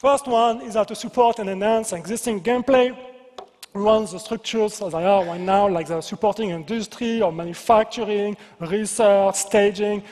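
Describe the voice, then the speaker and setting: A man's voice: high voice, fairly even intonation, moderate pace, a little mellow. A man with a French accent giving a conference presentation as a game designer, playful and self-deprecating, with joking asides. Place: large convention hall. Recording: reverberant hall.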